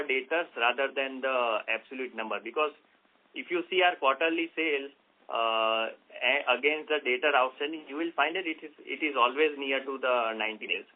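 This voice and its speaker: An Indian man, a company executive, answering on an earnings call with formal, halting phrasing over a conference phone line. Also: medium pitch. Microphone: telephone conference line.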